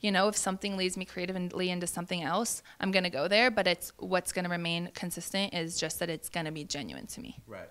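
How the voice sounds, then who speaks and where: Talking at a very fast pace with hardly any pauses, a woman uses a fairly low pitch, ordinary pitch variation and big swings in loudness. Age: 20s. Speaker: singer. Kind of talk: casual chat. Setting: backstage before a concert. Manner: animated. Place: home room. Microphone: handheld.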